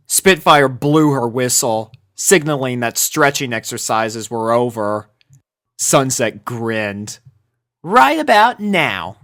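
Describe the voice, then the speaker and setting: A woman's voice: very deep voice, fairly bright tone. A woman narrating a scripted story as a reader of fan fiction.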